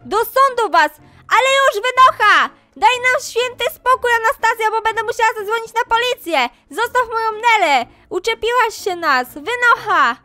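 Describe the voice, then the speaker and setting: A woman's voice: extremely high pitch, a little slow, soft background music, pitched above the performer's own voice, heavily acted. Woman playing a furious scolding mother. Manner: scolding, shouting. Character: angry protective mother of quintuplets.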